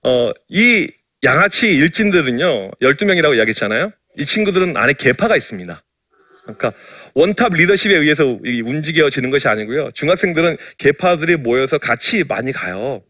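A middle-aged man preaches as a pastor, winding humorous anecdotes through his sermon. His voice sits fairly high for a man, and his delivery is playful and self-mocking. The recording is dry and close, with no room echo. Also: very animated, a little fast, hardly any pauses, bright, forceful tone.

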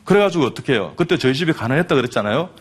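A man's voice: fairly high pitch, lively intonation, rapid-fire, breathy edge. A man in his fifties, a doctor, giving a fervent Christian testimony to a studio audience, speaking emphatically and addressing listeners directly. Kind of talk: preacherly testimony speech.

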